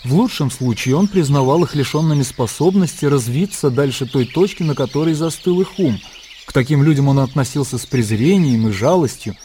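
A man narrating a radio drama in a calm, measured storytelling manner. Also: medium pitch, slight background noise.

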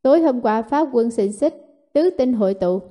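A woman voicing an aged male elder in blue robes who speaks in a slow, measured murmur. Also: a little high, animated, mellow. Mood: grave.

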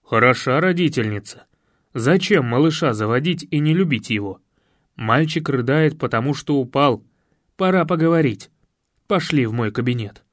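A man voicing a gruff, hoarse middle-aged male wrestling coach who talks low and clipped. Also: lively intonation, moderate pace, no room sound, clean studio sound, natural voice. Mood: reproachful. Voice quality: husky.

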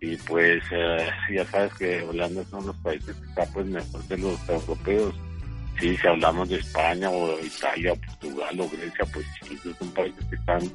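A man's voice: low voice, flat delivery, normal speed, faint music behind. A man from Colombia on a phone call, talking hesitantly with many fillers. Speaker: caller. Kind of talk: phone conversation.

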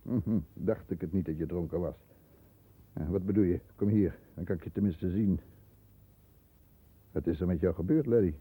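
A low-voiced, stern lawyer. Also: male voice, dark tone, slightly rough. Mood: tense, impatient. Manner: measured, introspective first-person narration. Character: stern, successful middle-aged widowed London lawyer, decisive and disdainful. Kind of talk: 1960s radio drama acting. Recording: muffled, roomy old radio recording.

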